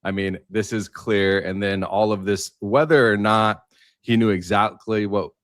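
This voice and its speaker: A man with a slightly low voice, recorded dry. He speaks informally, as a panelist in a livestream discussion. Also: steady tone, measured pace, no room sound. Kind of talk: casual discussion.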